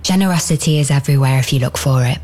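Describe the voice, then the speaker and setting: A woman narrating a short story for an advert, gentle and measured. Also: very deep voice. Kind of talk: scripted ad storytelling.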